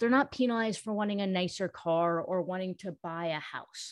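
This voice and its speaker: Using a normal speaking voice, a woman with an American accent talks at a fairly quick pace with ordinary pitch variation. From New York, US. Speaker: yoga teacher. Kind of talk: casual chat. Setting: remote call.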